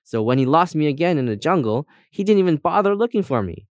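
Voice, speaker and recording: A man's voice: on the high side, sing-song, quick pace, dry recording, dull audio, voice pushed up. A man voicing a chatty, cheerful female compass in a children's audiobook, with breezy, boastful colloquial talk.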